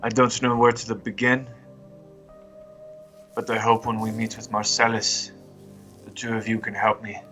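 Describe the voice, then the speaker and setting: A man voicing a solemn, troubled, meditative seeker with formal, measured speech in a tabletop game. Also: fairly low pitch, little pitch movement, pushed and bright. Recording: background music behind the voice.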